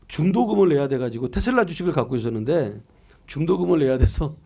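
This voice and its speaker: High, gravelly-voiced male pastor. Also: dark tone. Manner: conversational preaching, reads scripture aloud, asks and answers own questions. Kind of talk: year-end service sermon.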